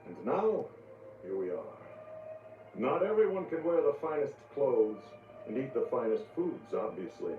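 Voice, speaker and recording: An actor playing a snooty, refined upper-class man in a video game, speaking with a polished, condescending drawl. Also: medium pitch. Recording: muffled distant game audio with roomy echo.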